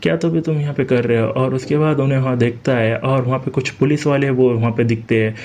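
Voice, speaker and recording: A man's voice: mid-range voice, steady tone, quick pace, a little mellow. A man with an Indian Hindi accent recapping a manhwa story in casual Hindi, reading every character's lines in his own plain voice with frequent fillers.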